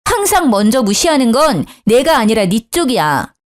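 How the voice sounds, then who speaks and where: A woman's voice: on the high side, big pitch swings, moderate pace. A woman in her thirties narrating a dramatized story in an indignant, emphatic way.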